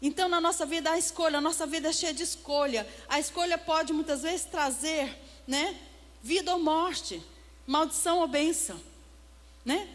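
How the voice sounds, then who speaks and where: A woman's voice: high-pitched, moderate pace, in a large hall. A woman pastor preaching a sermon to her congregation, often calling out "amém?" and "né?" to them. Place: church.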